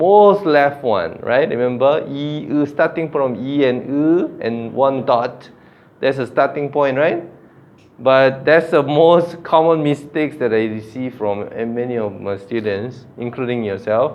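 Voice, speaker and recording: With a Korean accent, a man speaks fairly slowly at a fairly high pitch, showing ordinary pitch variation. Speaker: Korean language teacher. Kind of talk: online class lesson. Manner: halting.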